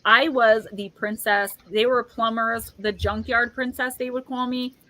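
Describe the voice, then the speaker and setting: A woman hosts a casual live stream, rambling freely from one thought to the next. Her voice sits a little high and rings bright and forceful. She fills her talk with "like" and quick asides. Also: steady tone, rough recording. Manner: chatty, rambling, heavy use of "like". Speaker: livestream host and tarot reader.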